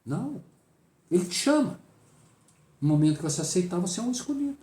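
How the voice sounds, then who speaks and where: A man's voice: high voice, sing-song, brisk, mellow, echoey room. A man with a Brazilian accent leading a Bible study, emphatic and full of rhetorical questions he answers himself.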